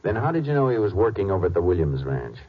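An actor playing a steady, shrewd American lawman in a 1950s western radio drama, asking questions in a measured, courteous way. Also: sits low. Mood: firm, courteous. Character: steady, shrewd male Texas Ranger investigator. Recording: muffled old-time radio recording.

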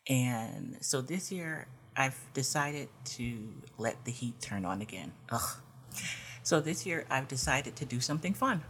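A woman in her forties hosting a podcast as a coach, talking in a casual, earnest, gently encouraging way and often adding "you know" and "right?". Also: rumbling low, expressive, measured pace, a little hiss or hum. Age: 40s. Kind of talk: casual reflective monologue.

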